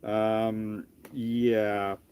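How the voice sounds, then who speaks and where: A man's voice: lowish voice, little pitch movement, extremely slow, darkish tone, a little hiss or hum. A British man hosting a casual live question-and-answer stream, talking in a rambling, discursive way and restarting his phrases. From United Kingdom. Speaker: livestream host, history lecturer.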